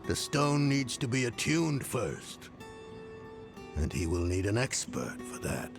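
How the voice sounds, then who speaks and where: An actor playing a grumpy, sarcastic old scholar of arcane lore in a game cutscene, with dry exasperation. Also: male voice, mid-range voice, sing-song, slow pace, vocal fry, exaggerated voice. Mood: sardonic, exasperated. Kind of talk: dramatic video game cutscene acting. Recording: music behind the voice.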